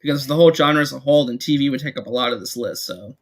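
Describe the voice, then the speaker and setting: A man's voice: mid-range voice, racing. A man on a panel giving blunt, opinionated takes in casual debate.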